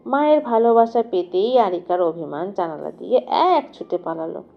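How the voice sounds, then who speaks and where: A woman narrating an audio novel in an expressive, dramatic, literary scripted style. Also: medium pitch, normal speed, gravelly, highs cut off.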